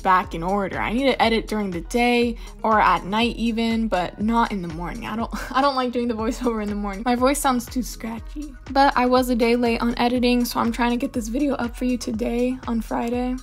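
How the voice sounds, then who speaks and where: A young woman chatting casually in a voice-over for her nail tutorial, rambling into asides and laughing often. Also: fairly high pitch. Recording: voice-over with faint music.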